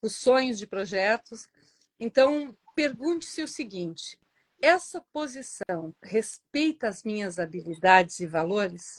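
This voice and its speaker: In a dry, close recording with no echo, a woman with an unremarkable speaking voice talks at a fairly high pitch and a fairly slow pace. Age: 60s. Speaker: mentor and speaker. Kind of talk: casual chat.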